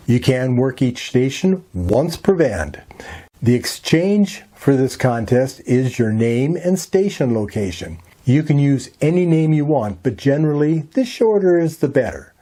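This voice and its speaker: A man reading a scripted explainer in a measured, instructional manner. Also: medium pitch, sing-song, warm tone. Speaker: presenter of an amateur radio tutorial.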